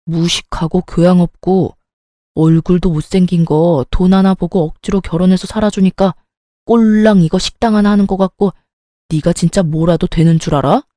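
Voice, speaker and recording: A woman's voice: lowish voice, fairly even intonation, moderate pace, dark tone, dry recording, studio quality, lightly acted. A woman voicing an arrogant, entitled young husband who talks down in a blustering way. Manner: condescending, blustering.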